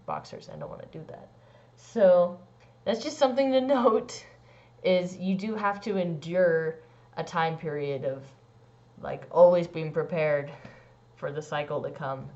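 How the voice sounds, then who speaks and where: A young trans man vlogging a casual personal update, rambling with lots of "like" and "um" and swooping into squeaky high bits. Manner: rambling, many likes and ums. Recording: dull lo-fi sound.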